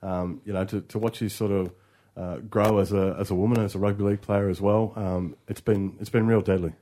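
A man speaks with an Aboriginal Australian English accent. His voice is fairly low and very mellow, with a dark tone. He hosts a radio interview in a conversational way. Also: flat delivery, a little fast. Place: radio studio.

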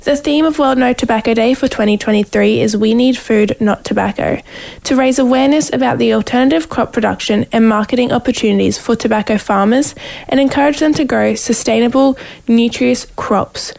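A woman's voice: a little high, a little fast, gravelly, a little mellow. A woman with an Aboriginal Australian accent, presenting scripted segments as a radio host. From Western Downs region, Queensland, Australia.

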